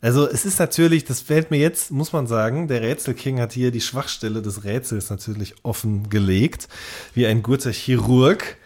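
A man's voice: mid-range voice, moderate pace, darkish tone. A man chatting casually as a podcast co-host, often repeating short words of agreement. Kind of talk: casual chat.

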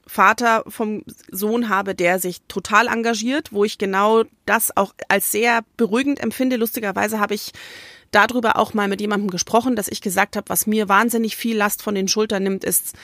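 A woman co-hosting a casual podcast chat, telling stories in a lively way and acting out the quotes she retells. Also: mid-range voice, dry recording, clean studio sound. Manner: lively storytelling, acts out quotes. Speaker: podcast co-host.

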